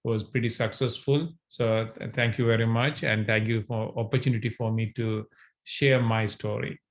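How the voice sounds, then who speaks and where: Halting man from Sri Lanka, speaking to camera. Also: lowish voice, steady tone. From northern Sri Lanka. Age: 40s. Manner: halting, many fillers and restarts. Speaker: entrepreneur sharing his story. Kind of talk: casual talk to camera. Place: home room, indoors. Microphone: handheld mic, webcam framing.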